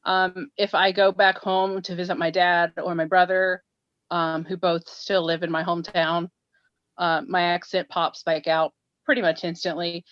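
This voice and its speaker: Playful woman with a low voice. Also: little pitch movement, moderate pace, no room sound, highs cut off. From Texas. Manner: playful, joking, chatty. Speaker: host's wife, co-host. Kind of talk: casual livestream chat.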